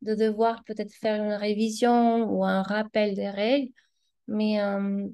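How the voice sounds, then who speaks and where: A woman's voice: mid-range voice, little pitch movement, unhurried, warm tone, smooth. Hesitant, thoughtful woman teacher. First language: Spanish. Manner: hesitant, many fillers and restarts, thoughtful. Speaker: language teacher, guest. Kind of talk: casual discussion.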